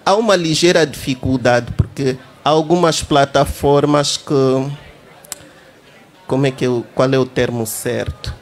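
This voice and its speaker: A man's voice: mid-range voice, a little slow. A man in his thirties with an Angolan Portuguese accent, explaining at length on a tech fair panel stage with a handheld microphone. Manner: explanatory, lively, addresses the audience directly. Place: large indoor event stage.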